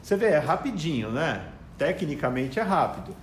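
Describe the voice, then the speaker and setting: A man's voice: a little high, big pitch swings, normal speed, echoey room, slight background noise. A man with a Brazilian Portuguese accent teaching painting step by step, chatting casually as he works in his home garage. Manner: chatty, explains as he works, talks to his dog. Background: dog whining and barking.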